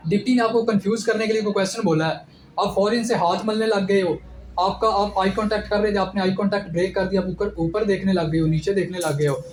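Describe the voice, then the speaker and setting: A man's voice: high-pitched, fairly even intonation, quick pace. A young man giving direct, instructive advice in an informal lecture about his selection-board experience. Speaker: ISSB candidate giving advice. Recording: echoey room with clear background noise.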